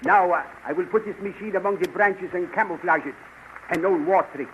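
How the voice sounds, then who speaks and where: An actor playing a cautious older male scientist in a 1930s radio drama, formal and measured in his speech. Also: high voice, close to an everyday voice. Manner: formal, measured, stiff phrasing. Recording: dull, hissy 1930s radio transcription.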